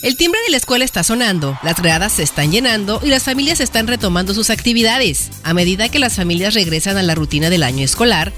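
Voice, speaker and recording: A woman reading a scripted radio commercial in a smooth, friendly way. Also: mid-range voice, fairly bright tone. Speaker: ad announcer.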